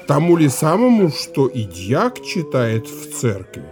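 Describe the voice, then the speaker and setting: An actor playing a drunk, curious young Cossack who insists on learning, in a radio play. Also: male voice, a little high, huge pitch swings, unhurried, over music, exaggerated voice. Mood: tipsy insistent. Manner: insistent, tipsy pleading.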